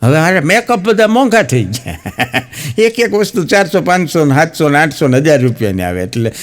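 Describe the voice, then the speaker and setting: A man with a Gujarati accent doing stand-up comedy, his pitch sitting a little high and swinging widely as he tells his jokes. He slips into the voices of the people in his stories as he goes. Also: big pitch swings, fairly quick. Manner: storytelling, acts out quoted characters. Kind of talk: stand-up joke telling.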